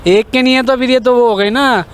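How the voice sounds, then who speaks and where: A man with a high, crisp voice gives his view to a street interviewer outdoors. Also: fairly even intonation, fairly quick. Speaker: member of the public being interviewed. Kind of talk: spontaneous street opinion.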